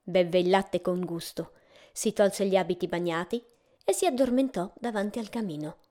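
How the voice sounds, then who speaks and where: A woman gently narrating a fairy tale in a measured storytelling way. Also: lowish voice.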